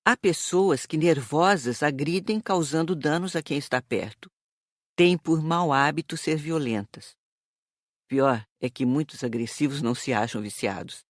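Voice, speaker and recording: Measured, woman-acted female instructor, dry studio sound. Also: low-pitched, no room sound. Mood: patient. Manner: didactic, measured. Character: calm, serious female spirit instructor teaching a class. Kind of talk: audiobook dialogue.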